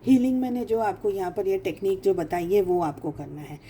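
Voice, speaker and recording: A woman's voice: medium pitch, animated, fairly quick, dark tone, a little hiss or hum. A woman giving a casual tarot reading, speaking emphatically, repeating phrases for stress and mixing English phrases into her talk. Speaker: tarot reader.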